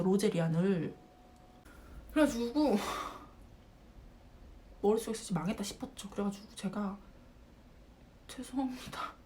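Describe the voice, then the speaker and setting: A woman in her twenties casually telling a story to her viewers, acting out the dialogue as she goes and laughing often. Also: fairly high pitch. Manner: animated, acts out quoted dialogue, frequent laughter. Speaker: vlogger.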